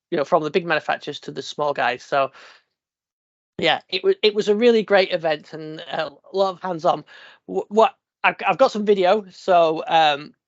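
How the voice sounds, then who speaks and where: A man's voice: on the high side, dry recording, muffled recording. A man hosting a casual tech podcast, sniffly from a cold, rambling with lots of fillers. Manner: rambling, many fillers and restarts. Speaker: podcast host.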